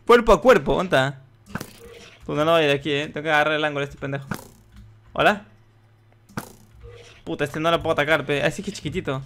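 Young guy doing game commentary, bright punchy voice, cusses and yells at the screen. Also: fairly high pitch, brisk, long pauses, slight background noise. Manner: excitable, swears a lot, yells at the game. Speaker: gaming youtuber. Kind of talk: live gameplay commentary.

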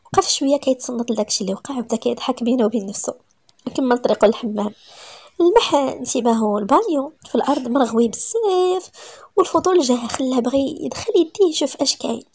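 A woman with a Moroccan accent narrating a romantic comedy story aloud in a brisk, lively manner. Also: sits high, breathy edge.

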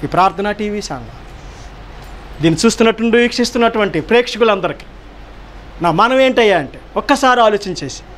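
A man's voice: high-pitched, lively intonation, a little fast, pauses often, fairly bright tone, slight background noise. A man pastor delivering a sermon, emphatic, firing rhetorical questions and repeating key phrases.

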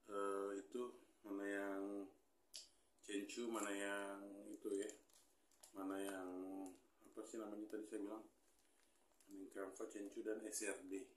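This hobby vlogger, a man in his thirties, talks to camera in a small room with a pink wall during a casual unboxing. His voice sits fairly low and carries a roomy sound. He muses out loud, using lots of fillers and grumbling mildly now and then.

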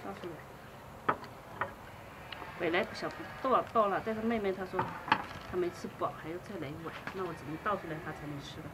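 A woman's voice: lowish voice, a little fast, pauses often, heavy background noise. A young woman chatting casually outdoors in a rural yard, an easygoing food vlogger. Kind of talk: casual chat.

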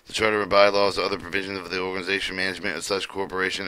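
A man's voice: deep voice, sharp tone, rough recording. A man reading a legal document aloud, stumbling over words and repeating himself as he goes.

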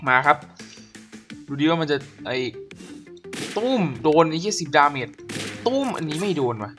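A man giving casual gameplay commentary as a gaming YouTuber, excitable and profane, often shouting at the enemies on screen. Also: fairly high pitch. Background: game music.

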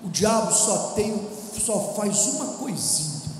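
A man, a visiting pastor, preaching a fiery sermon in a large church, shouting and half-singing some lines. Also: high-pitched, expressive, slow. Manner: shouts and sings lines, acts out quoted believers. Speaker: guest pastor. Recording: echoey church hall, distant mic, faint noise.

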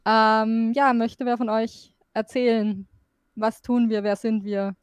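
A woman's voice: on the high side, little pitch movement, takes it slowly, clear, resonant tone, dry recording. A woman in her twenties from Austria, moderating a casual chat as podcast host. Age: 20s.

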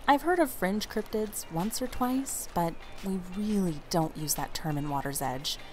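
Woman acting suspicious blunt woman, audio drama, animated pitch, casual sardonic delivery, faint music behind. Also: unhurried, close to an everyday voice. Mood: explaining. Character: wary, suspicious, blunt woman among supernatural friends.

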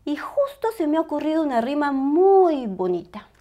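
A woman's voice: high-pitched, very animated, moderate pace, dark tone, pitched above the performer's own voice. A woman voicing a small male storybook mouse, a poetic, eager and grateful creature. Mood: wistful.

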